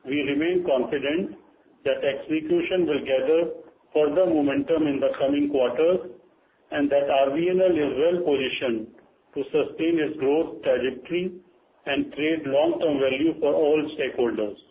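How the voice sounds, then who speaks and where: Higher-voiced Indian man, formal corporate reading. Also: normal speed. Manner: formal, scripted. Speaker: company chief giving earnings remarks. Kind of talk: formal prepared corporate statement read aloud. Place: conference call. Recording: dull lo-fi conference call, faint noise.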